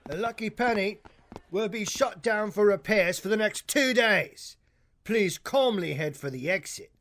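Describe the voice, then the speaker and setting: A man voicing a gruff male bartender who trades information in an audio drama, haggling and grumbling. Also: sits high, a little slow, a bit bright, faint music behind, pitched above the performer's own voice. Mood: announcing. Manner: grumbling, haggling, tough-talking. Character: gruff male bartender, cagey info broker.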